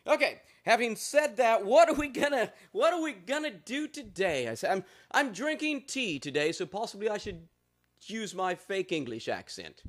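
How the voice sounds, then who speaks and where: A man's voice: sits high, big pitch swings, moderate pace. A man hosting a casual guitar amp demo, talking in a playful, folksy way from the floor of a room full of amps. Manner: folksy, playful, drawling asides. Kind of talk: casual joking gear demo. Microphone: instrument mics on amps, voice faint.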